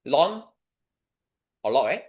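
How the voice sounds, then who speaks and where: A man's voice: mid-range voice, big pitch swings, slow pace. A man with a Singaporean accent teaching a maths revision lesson in colloquial Singlish, instructing step by step and putting questions to his students. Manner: colloquial Singlish with particles like lah and ah; instructive, poses questions to students and answers them. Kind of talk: informal revision lesson, explaining worked steps.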